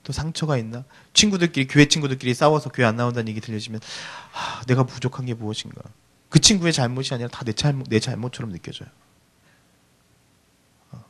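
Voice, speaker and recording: A man preaching a sermon as a youth pastor, earnest and pleading, often dropping to a soft hush, speaking in a church hall. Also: mid-range voice, fast.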